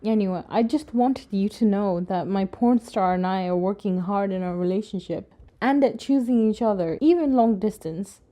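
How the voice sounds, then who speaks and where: Woman playing a mellow, cheeky flirt. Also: medium pitch, normal speed, close to an everyday voice. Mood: flirty. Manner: coy, suggestive. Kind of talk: audio drama acting.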